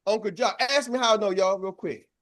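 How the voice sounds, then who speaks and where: A man in his sixties giving an energetic motivational talk as a sales coach, calling out to a live audience and repeating slogans. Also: sits high, a little fast.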